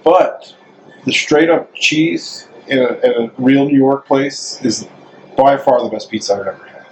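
A man with a deep, bassy voice from the American South hosts a casual interview, rambling playfully from one story to the next. His pitch sits in the ordinary middle range. A faint hum of background noise runs under the talk. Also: a little slow, darkish tone, low-quality recording. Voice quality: deep bass voice. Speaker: interview host. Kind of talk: casual chat.

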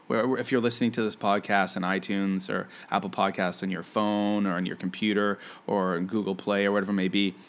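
Chatty lower-voiced Canadian man. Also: fairly bright tone. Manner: rambling, friendly, many fillers and restarts. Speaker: podcast host; environmental educator. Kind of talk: casual solo podcast chat.

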